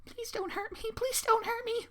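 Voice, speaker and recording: A man voicing a timid, terrified young female pegasus pony in a high, shaky falsetto. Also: steady tone, moderate pace, bright, forceful tone. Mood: pleading.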